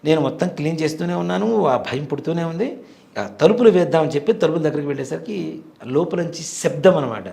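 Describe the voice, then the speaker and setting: A man's voice: fairly high pitch, fast talker, gravelly, mellow. A man in his forties, a temple priest, earnestly telling a devout personal story in an interview. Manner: earnest, devout, vivid retelling.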